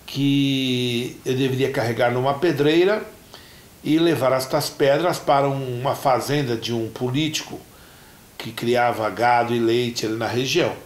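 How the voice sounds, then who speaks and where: A middle-aged Brazilian man with a Brazilian Portuguese accent, a pastor telling a story in a sermon and acting out the dialogue. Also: mid-range voice. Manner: animated storyteller who acts out dialogue. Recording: roomy church echo.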